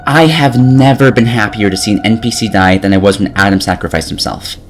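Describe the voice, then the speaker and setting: A man's voice: on the low side, fairly quick, soft background music. A twenty-year-old man narrating a scripted video game review in a sarcastic, opinionated way. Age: 20 years old.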